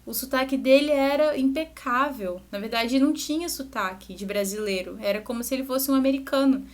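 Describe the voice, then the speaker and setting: A young woman with a slightly high voice talks parents through a lesson. She is a music teacher, and her delivery is loose and conversational, full of little asides and restarted sentences. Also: a little fast. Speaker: music teacher and channel host. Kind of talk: educational talk to parents.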